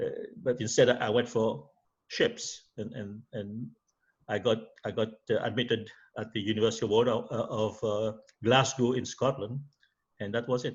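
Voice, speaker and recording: The speaker is somewhat breathy and keeps a moderate pace with fairly even intonation. Long, frequent pauses come over a quiet background. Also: man, medium pitch for a man. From Mauritius. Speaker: leadership seminar speaker and former naval architect. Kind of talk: interview. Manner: halting, many repetitions and fillers.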